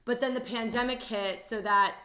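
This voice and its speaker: A woman's voice: a little high, fairly even intonation, moderate pace, pushed and bright. A woman in her twenties chatting casually as a podcast co-host, with an informal, slangy way of talking. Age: 20s. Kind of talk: casual chat. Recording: roomy, echoey sound.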